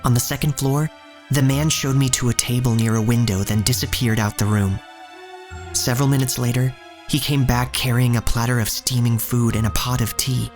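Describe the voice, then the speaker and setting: A man plays a young street thief recounting his story in an audio drama. The voice sits at a middle pitch and stays watchful and wary. Music runs softly underneath the scripted narration. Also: steady tone, moderate pace, lightly acted. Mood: descriptive. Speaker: narrator and lead actor.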